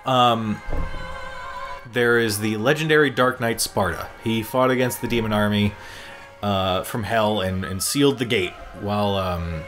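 A man's voice: fairly low pitch, unhurried, a bit bright. A man giving casual, explanatory commentary on a game, rambling like a fan. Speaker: gaming commentary host. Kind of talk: casual chat commentary over game cutscenes. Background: game cutscene music.

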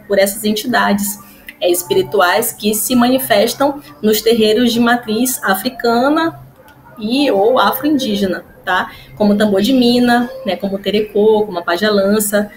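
A woman's voice: mid-range voice, slight background noise. A woman, explaining her research to camera from a small room at home on a webcam, with frequent fillers and tag questions. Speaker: historian presenting research. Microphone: webcam or laptop mic, video call framing.

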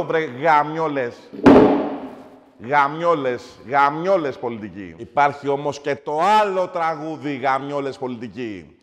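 A man's voice: medium pitch, close to an everyday voice. An actor playing a crude, hot-headed taverna owner in his forties, ranting and swearing in a comic monologue. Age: 40s. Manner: foul-mouthed, ranting, swings from mumbling to shouting. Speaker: comedy character. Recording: long hall reverb.

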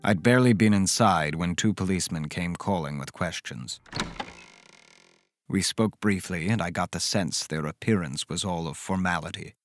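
An actor playing a caring, reflective man who recounts eerie events in measured, dramatic first-person horror narration. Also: low voice, dry recording, close to an everyday voice. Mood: uneasy, reflective. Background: music underneath.

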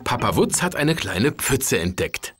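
A man's voice: mid-range voice, sing-song, a little slow, fairly bright tone. A man narrating a children's cartoon in a cheerful storybook manner. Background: music.

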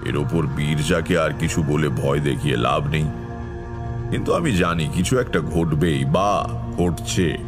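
An actor playing a grave tantric storyteller, narrating a horror tale in a measured, ominous way. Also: male voice, extremely low pitch. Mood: foreboding. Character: grave, foreboding tantric storyteller recalling eerie past. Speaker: first-person narrator. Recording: music behind the voice.

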